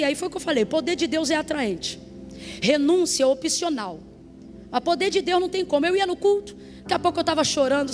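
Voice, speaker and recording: A woman preacher giving an emphatic, conversational sermon mixed with a personal story. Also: high voice.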